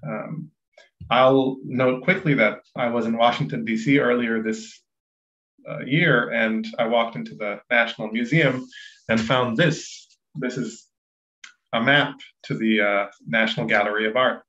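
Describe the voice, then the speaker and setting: A man from Ethiopia whose first language is Amharic, moderating an online panel in a measured way with many fillers. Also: mid-range voice, steady tone, a bit bright. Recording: dull, echoey room sound.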